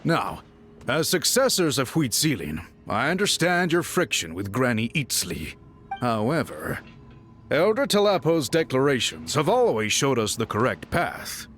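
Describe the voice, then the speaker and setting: A man playing a dutiful, courteous tribal chief in a video game, speaking in a formal, measured, dignified way. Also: mid-range voice, very animated, fairly bright tone, faint music behind. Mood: stern, formal.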